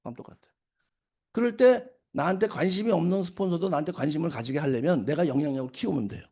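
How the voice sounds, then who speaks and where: A middle-aged man lecturing at a business seminar. His voice sits high and his talk runs quickly. He keeps firing questions at his listeners and answers them himself, and he acts out scolding lines when he quotes people. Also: darkish tone. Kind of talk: lecture to an audience.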